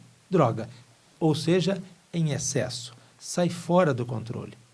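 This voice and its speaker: The voice has a dark, mellow tone and lively intonation at a fairly slow pace. There is audible room echo. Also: man. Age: 60s. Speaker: agronomy professor. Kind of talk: interview.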